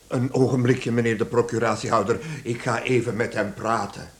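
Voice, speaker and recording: A man's voice: mid-range voice, steady tone, normal speed, natural voice. An actor in a radio play playing a middle-aged, bossy father who barks orders yet fawns on superiors. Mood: fawning. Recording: echoey, slightly noisy radio drama recording.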